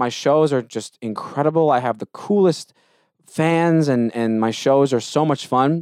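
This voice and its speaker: A man with a New York accent, a fairly high pitch, ordinary pitch variation, and a dry, close sound with no echo. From Staten Island, New York. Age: 30s. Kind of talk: casual chat.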